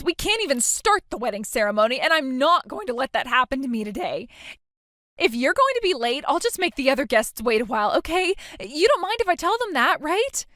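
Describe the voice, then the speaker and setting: A woman's voice: high voice, fairly bright tone, dry recording, studio quality. An actress playing a self-absorbed bride who whines, stammers and makes demands of her sister. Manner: whiny, self-pitying, stammering. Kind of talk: scripted drama acting.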